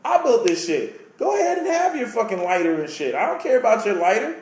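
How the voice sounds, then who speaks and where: A man putting on a brash, profane guy who dismisses everyone while bragging about his own hut. The voice is on the high side, and the room gives it an echo. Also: big pitch swings, a little fast, a little hiss or hum. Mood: dismissive. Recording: roomy echo.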